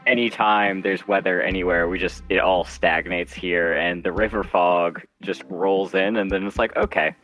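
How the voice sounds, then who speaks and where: A man's voice: low voice, fairly even intonation, moderate pace, hardly any pauses, fairly bright tone. A man from Oregon chatting casually as an interview guest, rambling wryly and acting out his own thoughts. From Oregon, United States. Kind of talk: casual chat.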